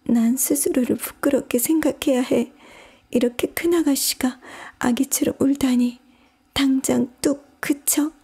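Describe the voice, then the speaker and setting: Woman doing a bewildered little girl, whispered role-play: breathy, high, storybook audiobook. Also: steady tone, unhurried, warm tone, heavily acted. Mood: scolding herself. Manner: bewildered, questioning herself aloud. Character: curious puzzled little girl, easily upset.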